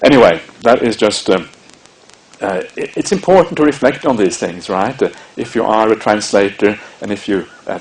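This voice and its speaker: A man with a Norwegian accent giving a measured, explanatory Buddhist dharma talk, with frequent hesitations. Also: fairly low pitch, a little mellow. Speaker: Buddhist monk teacher.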